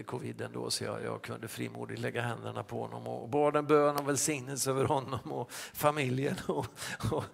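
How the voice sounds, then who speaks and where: Gravelly-voiced pastor telling a story. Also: male voice, mid-range voice, fairly bright tone. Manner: halting, many restarts and fillers. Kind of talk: sermon anecdote.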